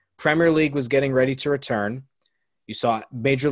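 A man with an American accent speaks at a fairly quick pace and a medium pitch. His pitch varies in an ordinary way against a quiet background. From Columbus, Ohio. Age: 20s. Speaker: sports writer. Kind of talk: casual sports discussion. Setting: video call.

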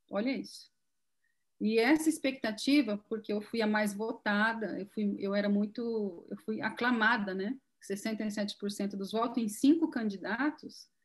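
A somewhat breathy woman's voice with a fairly high pitch. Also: ordinary pitch variation. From São Paulo state, Brazil. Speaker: former mayor and entrepreneur. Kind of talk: interview.

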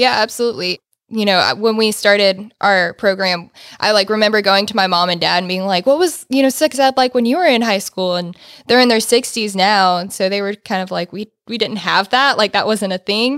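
At a fairly quick pace, a woman with medium pitch and ordinary pitch variation speaks in an unremarkable speaking voice, on a very clean recording with a silent background. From US South, rural Georgia. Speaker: university student and sex education advocate. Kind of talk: interview.

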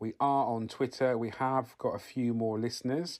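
Intonation stays fairly even as the man talks in a British accent. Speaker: podcast host. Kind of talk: casual chat. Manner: soft-spoken.

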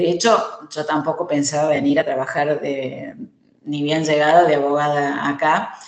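With a Cordoban Argentine accent, a woman speaks in a very deep, low pitch at a fairly slow pace with fairly even intonation, and room echo is audible. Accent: Argentine Spanish (Córdoba). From Argentina, Córdoba. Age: 50s. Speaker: fast-food worker, former court employee. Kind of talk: radio interview.

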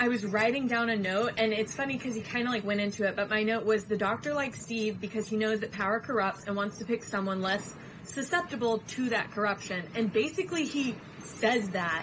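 Over noticeable background noise, a woman talks at a fairly quick pace, her fairly high pitch showing ordinary variation. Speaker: podcast co-host, Marvel newcomer. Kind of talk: casual chat.

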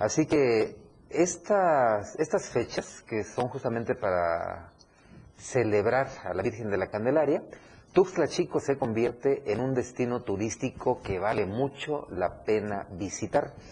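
Speaking at a fairly slow pace, this voice carries a Mexican accent and lively intonation. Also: man, medium pitch for a man. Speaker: arts and culture columnist. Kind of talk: scripted narration.

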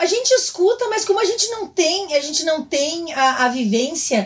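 Against noticeable background noise, a woman with an extremely high pitch talks at a moderate pace, making very wide pitch swings. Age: 40s. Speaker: teacher. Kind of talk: casual chat.

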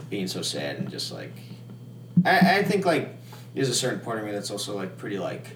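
Fairly quick speech with long, frequent pauses, audible room echo and music in the background. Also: man. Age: 20s. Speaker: college student podcast co-host. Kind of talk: casual chat.

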